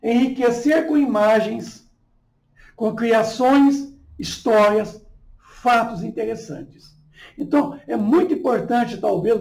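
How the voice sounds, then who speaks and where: Male instructor, gravelly and slow, deliberate lecture delivery with frequent check-ins. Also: high voice, a little mellow, roomy sound, poor audio. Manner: slow, deliberate, tag questions like "tá?" and "certo?". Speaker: public speaking teacher. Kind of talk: online lecture.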